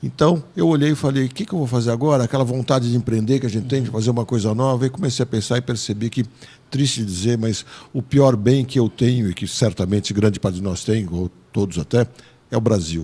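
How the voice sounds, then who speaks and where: A man's dark, mellow, somewhat breathy voice at medium pitch, with ordinary pitch variation and a very fast pace. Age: 60s. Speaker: Senate candidate, airline pilot and farmer. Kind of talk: radio interview. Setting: studio.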